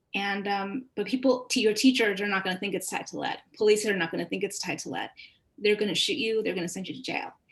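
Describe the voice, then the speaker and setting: A woman speaks at a very fast pace with a somewhat breathy voice. Her loudness swings widely. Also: medium pitch for a woman, ordinary pitch variation. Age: 30s. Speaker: author. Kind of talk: interview. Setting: video call. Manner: many fillers, halting.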